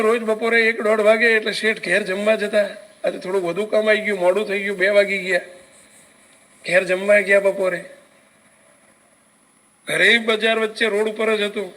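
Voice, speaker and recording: A male preacher spins a devotional story in an animated way. His voice sits high and he keeps turning to the audience with questions. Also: low-quality recording.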